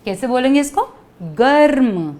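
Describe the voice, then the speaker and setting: Patient woman teaching kids slowly. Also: high-pitched, big pitch swings, a little mellow. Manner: patient, repeats words slowly for children. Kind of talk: children's grammar lesson.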